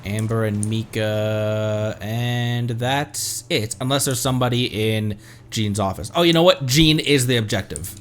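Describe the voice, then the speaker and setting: A man streaming a game with casual, reactive and somewhat halting live commentary. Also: lowish voice, slight background noise.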